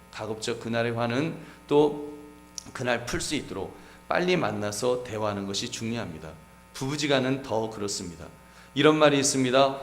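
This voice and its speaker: A man's voice: medium pitch, a little hiss or hum. A middle-aged male pastor delivers a sermon, talking straight to the congregation and acting out little scenes of dialogue. His voice sits in a middle register and rings around a roomy church hall. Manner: addresses the congregation often, acts out quoted dialogue. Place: church sanctuary.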